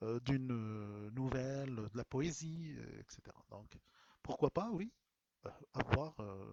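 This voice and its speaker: At a very slow pace with long, frequent pauses, the speech shows big swings in loudness and ordinary pitch variation. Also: man, medium pitch for a man. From Algeria. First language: Tamazight and Arabic (speaking French). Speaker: writer and language teacher. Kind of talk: live stream Q&A reading comments. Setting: live stream. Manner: hesitant, many fillers.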